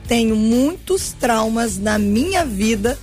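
Woman co-hosting a radio show, a bit high voice, chatty, light music behind. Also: expressive, slow pace, a little mellow. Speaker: radio co-host. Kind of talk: studio chat, reading listener messages.

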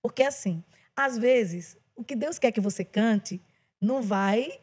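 A woman's voice: a little high, a little slow, a little mellow, husky. A Brazilian woman hosting a faith podcast, reflecting aloud with hesitant restarts and affirming her guest. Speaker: podcast host. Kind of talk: casual chat.

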